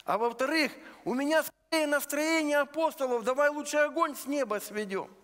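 A man from eastern Ukraine preaching a sermon in a church, earnest and deliberate, laying out his points one by one. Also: extremely high pitch, fairly bright tone. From Luhansk region, Ukraine. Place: church sanctuary. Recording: long church hall reverb.

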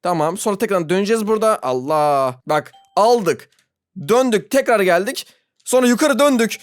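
An excitable gaming YouTuber talks viewers through a frustrating level, swinging from low mutters to high squeals with a very lively pitch. The sound is dry and close, with no room around it. The talk is self-mocking and chatty, aimed straight at the audience. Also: moderate pace, dry recording. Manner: talks to viewers directly, laughs often. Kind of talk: Roblox gameplay commentary.

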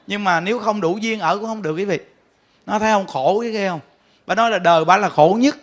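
A man, a Buddhist monk giving a sermon, telling stories with frequent laughter and speaking straight to his listeners. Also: high voice. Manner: animated storytelling, laughs often, addresses the audience directly.

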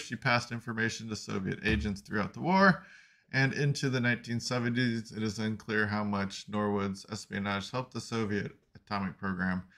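A man with a bright, forceful voice co-hosts a relaxed science podcast. He reads articles aloud at a steady clip and keeps breaking off for chatty, joking asides. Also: on the low side. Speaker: podcast co-host. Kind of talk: casual chat reading articles aloud.

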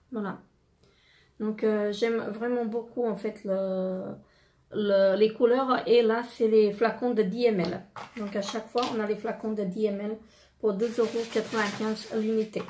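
A woman in her thirties with a slightly hoarse voice, chatting casually through a product haul with many fillers and pauses. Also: medium pitch, noisy background. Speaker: beauty vlogger.

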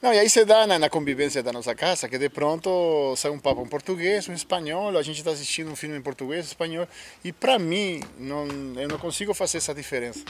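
A chatty Uruguayan man in his forties tells stories as a guest, with a Uruguayan Spanish accent and a fairly high voice. He talks into a handheld mic outdoors in a backyard. Faint noise sits behind him. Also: animated, quick pace. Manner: chatty, laughs while telling stories. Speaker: interview guest, musician. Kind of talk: casual interview talk. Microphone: handheld microphone.

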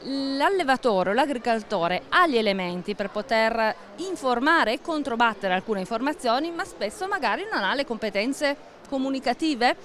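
A middle-aged woman interviewed at a fair stand, explaining a project in a measured way with frequent pauses and fillers, speaking into a handheld mic. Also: a little high, lively intonation, fairly bright tone. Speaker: interviewee, agricultural association staff. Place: indoor exhibition stand at a book fair.

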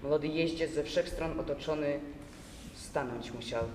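A young man performs a dramatic prose recitation with slow, measured phrasing. His pitch sits in the middle. The sound is distant and reverberant, with faint noise of a large hall. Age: young adult. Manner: measured, theatrical. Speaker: recitation contestant. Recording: echoey hall from far off.

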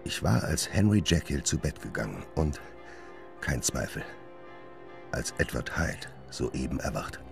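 An actor playing a grave, tormented gentleman doctor, delivering a measured, formal confession as a radio play monologue. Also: rumbling low, very animated, vocal fry, music in the background, heavily acted. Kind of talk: dramatic first-person monologue in German radio play.

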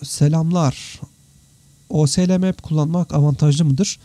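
A man hosts a casual live Q&A in a very mellow, dark voice that sits a little high for a man. He sounds tired and slightly worn, and talks to viewers as friends in a dry, close recording. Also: steady tone, a little slow, no room sound. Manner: chatty, informal, addresses viewers as friends. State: tired, slightly worn voice after three hours of talking. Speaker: live stream host, 3D visualization teacher. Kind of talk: casual live Q&A, reading out and answering viewer comments. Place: indoors, computer live stream with screen share.

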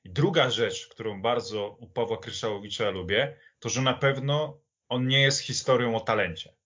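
A man giving conversational football commentary, halting at times and repeating words for emphasis. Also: medium pitch, a bit bright. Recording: dull, lo-fi audio.

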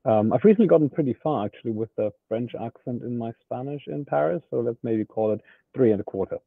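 A man's voice: medium pitch, expressive, fast, creaky, slightly rough, no room sound. A man in his forties, a guest investor answering interview questions over a video call, eager and using fillers. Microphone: video call with earbuds. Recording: tinny phone-like call audio.

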